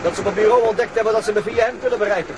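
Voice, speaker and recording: A man's voice: high-pitched, steady tone, racing, heavy background noise, lightly acted. An actor playing an easygoing middle-aged father on holiday, casual and dryly grumbling, in a naturalistic drama. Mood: relaxed.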